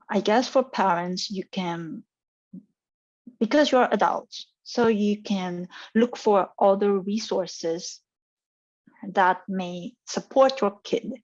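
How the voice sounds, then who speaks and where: Woman, Taiwanese accent, slow halting delivery, thoughtful, conversational, dull lo-fi recording. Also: mid-range voice. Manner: halting, thoughtful phrasing with repeats. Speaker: scientist mentor being interviewed. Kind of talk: casual conversational advice. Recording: dull, muffled lo-fi audio.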